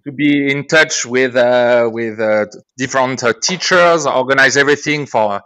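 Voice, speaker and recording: A man in his forties with a French accent, speaking haltingly with many fillers as a guest on a podcast interview. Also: mid-range voice, sharp tone, dry recording. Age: 40s. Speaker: guest actor and director.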